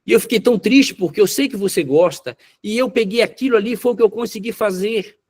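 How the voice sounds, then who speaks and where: A man's voice: high voice, fairly quick, a little mellow, pitched above the performer's own voice. A man voicing a tearful young wife who pleads that she cooked with love. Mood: hurt, pleading. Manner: pleading, emotional.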